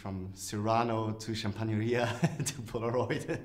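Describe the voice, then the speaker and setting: A man, an exchange student giving short, relaxed, joking answers in a white studio. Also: fairly low pitch, normal speed, roomy sound. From Germany. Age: 20s. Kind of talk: short casual answers to camera. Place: white photo studio, indoors.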